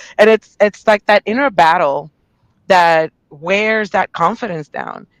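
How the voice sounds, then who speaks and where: A woman with a New York accent is heard in a dry, close sound with no echo. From New York City. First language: Spanish. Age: 60s. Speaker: personal growth coach. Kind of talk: casual interview.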